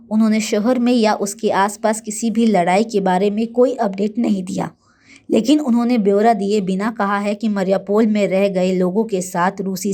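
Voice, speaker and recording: A woman news anchor reading a scripted bulletin in a formal, measured manner. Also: medium pitch, warm tone.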